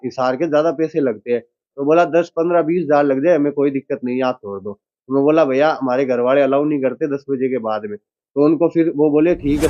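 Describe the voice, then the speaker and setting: A young man from Rajasthan, a driver telling a reporter what happened, in a plain and halting way. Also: fairly high pitch, dark tone. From Rajasthan, India. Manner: plain, halting retelling with quoted dialogue. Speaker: taxi driver and witness. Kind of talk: news interview account. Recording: dull lo-fi sound.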